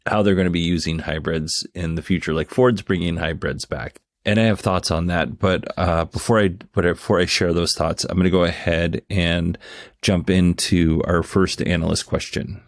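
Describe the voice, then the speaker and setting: A man with a distinctly low voice talks casually as a commentator, close and dry in the recording. He explains things conversationally and shares his opinions freely. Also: steady tone, moderate pace, no room sound. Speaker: host commentator. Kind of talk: casual commentary on a company earnings call.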